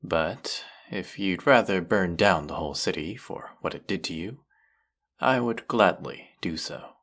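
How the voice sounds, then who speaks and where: A man playing a suave, manipulative supervillain in an intimate audio roleplay, measured and teasing, softly menacing yet tender toward his captive. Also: expressive, full character voice. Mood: confiding, menacing. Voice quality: low, creaky voice.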